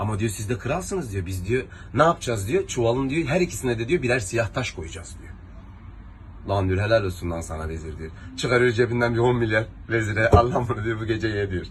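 A man with an Adana accent speaks at a fairly quick pace in a medium pitch, his voice somewhat breathy and his loudness swinging widely. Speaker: joke teller. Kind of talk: storytelling a joke to a friend. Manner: casual, colloquial.

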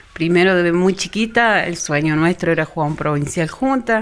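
A woman speaks in an ordinary speaking voice at a fairly slow pace and fairly low pitch, with ordinary pitch variation. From Argentina, Córdoba province. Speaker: bocce coach. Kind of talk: interview.

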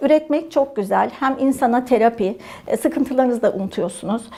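Her voice is fairly high, and this woman uses ordinary pitch variation. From Turkey, Isparta. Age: 50s. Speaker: artisan painter and brand founder. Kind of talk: interview.

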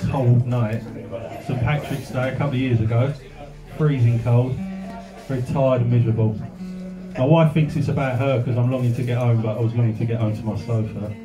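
Over clear background music, a man talks at a fairly quick pace with fairly even intonation. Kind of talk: stage banter. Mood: jokey, teasing. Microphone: camera far.

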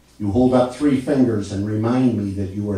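A man with an American accent talks at a moderate pace and a fairly low pitch. His pitch varies in an ordinary way, and room echo is audible. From US Midwest. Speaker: poet. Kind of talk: poetry reading, performed with wry, biting satire turning to tender, somber lines. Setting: stage with audience, live reading at a venue. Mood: somber, reflective. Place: stage.

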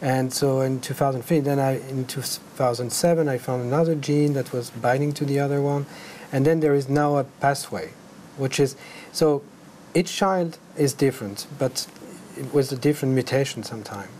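A man with a French accent speaks at a moderate pace in a fairly high pitch, his intonation fairly even, over light background noise. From France. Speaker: genetics professor. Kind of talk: studio interview. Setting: studio. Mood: calm, explanatory, some smiles. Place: studio. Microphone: lapel.

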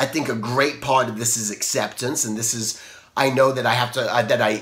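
Against a quiet background, the man keeps to a moderate pace. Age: 40s. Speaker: artist and art teacher. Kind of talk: monologue talk. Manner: rambling, repetitive, restarting sentences; informal, conversational. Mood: reflective, slightly frustrated. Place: home room. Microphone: webcam.

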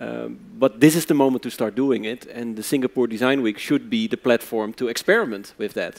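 A man's medium-pitched voice with a Dutch accent. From Netherlands. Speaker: designer. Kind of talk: panel discussion. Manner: halting. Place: hall. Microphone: handheld.

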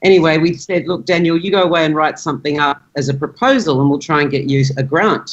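Fairly quick speech against a quiet background. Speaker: actress guest on call. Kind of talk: interview answer. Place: home room. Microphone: video call.

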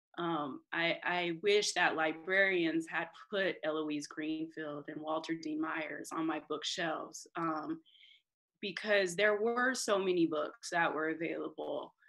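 A woman with an unremarkable speaking voice talks at a fairly slow pace and a fairly low pitch. Her intonation is fairly even, and the background is quiet. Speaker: picture book author and illustrator; panelist. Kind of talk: panel discussion. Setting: video call. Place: home room. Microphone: video call.

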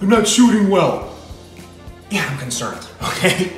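A man talks at a fairly quick pace with ordinary pitch variation. Faint music plays in the background, and audible room echo is present. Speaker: presenter. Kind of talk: casual live-stream recipe chat. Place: kitchen. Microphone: phone near.

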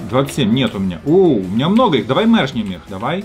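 A man speaks with faint music in the background. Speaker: gaming video creator. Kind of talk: gameplay commentary.

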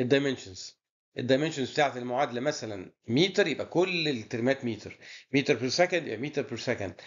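With an Egyptian accent, a man talks at a fairly quick pace, his medium pitch carried by lively intonation. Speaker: engineering lecturer. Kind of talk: lecture. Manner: halting, many fillers.

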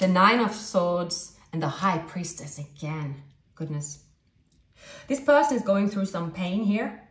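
Audible room echo surrounds a woman who speaks at a fairly slow pace with lively intonation. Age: 40s. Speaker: tarot reader. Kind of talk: tarot reading monologue. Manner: halting, many fillers and repetitions. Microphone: phone near.

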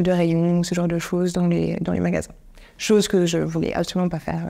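Over a quiet background, a woman with a dark, mellow tone speaks at a moderate pace. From France, Centre region (Épernon); Centre region, France. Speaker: expatriation relocation consultant; guest. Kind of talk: casual chat. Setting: podcast. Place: meeting room. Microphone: lapel.

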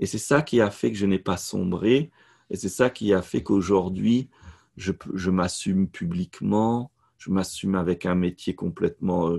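Over a quiet background, a man speaks fairly slowly in a very deep, low voice. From Africa, moved to France at 14. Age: 40s. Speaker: spiritual speaker; speaker. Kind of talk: interview. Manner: halting. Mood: calm, reflective. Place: home room. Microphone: webcam.

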